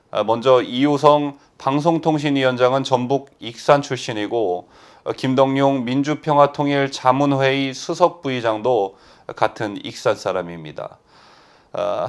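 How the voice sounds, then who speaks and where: A middle-aged man reading political news commentary at a steady pace, often opening sentences with "ah". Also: medium pitch, clean tone. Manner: steady reading with frequent "ah" fillers.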